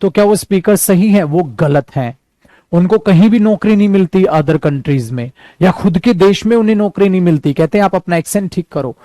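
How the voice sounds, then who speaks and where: A male English teacher with an Indian accent runs a class, repeating words and speaking English sentences very slowly. His voice sits a little high but sounds soft and dark in tone. The recording is dry, with no room echo. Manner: addresses students as dear and son, repeats words for drill; slows to a careful crawl for English example sentences. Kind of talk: online spoken-English class.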